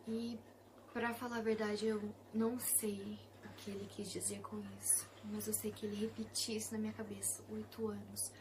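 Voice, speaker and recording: Soft-spoken young Brazilian woman. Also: medium pitch, flat delivery, moderate pace, noisy background. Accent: Brazilian Portuguese. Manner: soft and intimate, often dropping to a hushed whisper. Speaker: Christian testimony speaker. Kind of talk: personal testimony.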